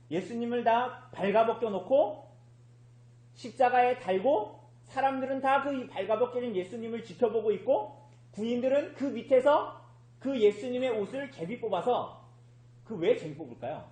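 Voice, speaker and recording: A man's voice: high voice, darkish tone, echoey room, rough recording. A man preaching a sermon as pastor in a church, who keeps asking the congregation questions and then answering them himself. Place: church sanctuary.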